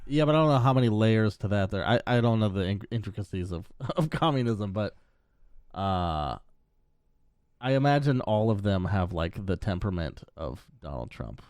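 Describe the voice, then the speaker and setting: Chill young guy podcasting, stumbles over words, laughs a lot, lively voice. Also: lowish voice, clear, resonant tone, no room sound, studio quality. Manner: laid-back, laughing, halting restarts. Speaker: podcast co-host. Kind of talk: casual chat.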